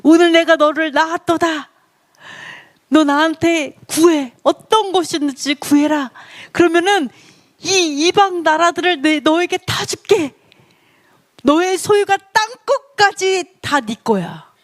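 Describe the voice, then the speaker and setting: A slow, grand voice of God, proud and commanding as he crowns his king and gives orders, as a woman puts it on. The voice sits high, raised above her already high speaking voice. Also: no room sound, studio quality. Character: God as a triumphant king, mocking his enemies.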